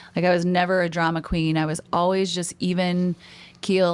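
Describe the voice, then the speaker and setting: Using an unremarkable speaking voice, a woman with an American accent speaks at a fairly slow pace, fairly low in pitch, with fairly even intonation. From Missouri Ozarks. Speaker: business founder. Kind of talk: podcast interview answer.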